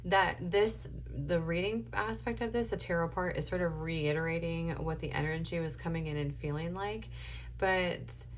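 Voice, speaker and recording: A woman giving a casual spoken tarot reading, her voice going hoarse, meandering and thinking aloud with many ums. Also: fairly low pitch, moderate pace, slight background noise. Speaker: tarot reader.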